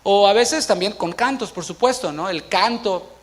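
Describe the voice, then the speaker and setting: A man's voice: high-pitched, moderate pace. A man preaching a sermon in a church in a conversational way, asking the congregation questions and acting out little scenes.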